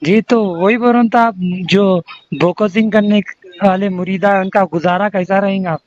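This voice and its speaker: A man's voice: high-pitched, steady tone, normal speed, darkish tone, no echo. A man with a Hyderabadi accent on a phone call, pressing his point in an argumentative, interrupting way. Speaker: caller, news channel interviewer. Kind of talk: confrontational phone conversation. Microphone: telephone. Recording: dull lo-fi phone call recording.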